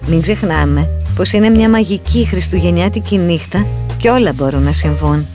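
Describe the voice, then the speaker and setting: A woman narrating a children's Christmas story in an expressive, animated way. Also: fairly low pitch. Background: soft music.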